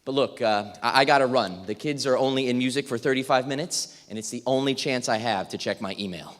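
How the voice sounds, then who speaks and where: A man playing an overworked, well-meaning fourth-grade teacher in a theatrical monologue, halting and emphatic, with asides. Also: mid-range voice, a bit bright, close to an everyday voice. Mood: apologetic, rushed. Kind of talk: theatrical monologue, dramatic stage reading. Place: reverberant indoor hall at a live reading. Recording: echoey hall, music behind.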